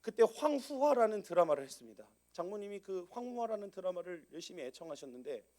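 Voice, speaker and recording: A pastor in his thirties preaching a sermon in a lively, conversational storytelling manner. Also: sits high, quick pace.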